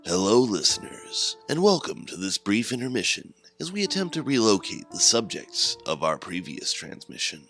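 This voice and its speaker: A man playing an ominous, theatrical horror anthology host who narrates in portentous, deliberate phrases. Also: fairly low pitch, sing-song, a bit bright. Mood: theatrical, inviting. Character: ominous, theatrical host of a mysterious otherworldly radio signal. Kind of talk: scripted dramatic horror narration. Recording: music under the voice. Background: music.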